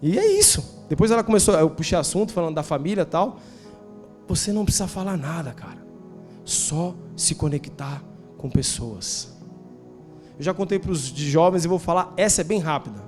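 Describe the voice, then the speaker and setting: High-voiced Brazilian pastor preaching. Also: male voice, sing-song, moderate pace, a little mellow, soft background music. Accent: Brazilian Portuguese. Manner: conversational storytelling with rhetorical questions, slangy asides. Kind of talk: sermon. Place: church.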